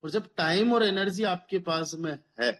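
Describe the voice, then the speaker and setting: A man in his thirties talks as a team leader pitching a business, his voice sitting a little higher than most men's. He is persuasive and keeps repeating phrases to drive a point home, sprinkling English words through his talk. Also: moderate pace, a bit bright. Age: 30s. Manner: mixes English words into Hindi. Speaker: network marketing team leader.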